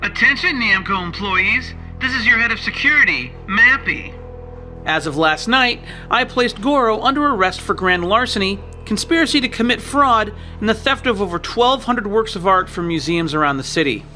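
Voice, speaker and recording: A man voicing an eager, excitable cartoon police mouse who bursts into shouts. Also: high-pitched, normal speed, faint music behind, heavily acted. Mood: excited. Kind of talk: cartoon voice acting.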